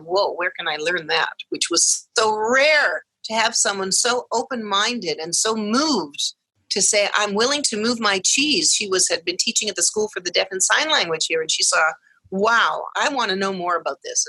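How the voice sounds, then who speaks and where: A woman speaking English as her first language, telling her family's story in a lively way as a guest on a podcast interview. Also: medium pitch, husky, no room sound, low-quality recording. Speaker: guest, mother of deaf twins.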